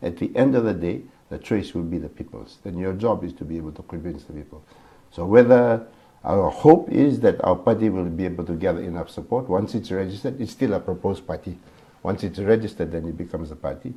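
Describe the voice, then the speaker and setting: A man talks at a very fast pace in a very deep, low pitch with a dark, mellow tone. His intonation is lively, and his loudness swings widely. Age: 60s. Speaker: opposition politician. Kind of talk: TV interview.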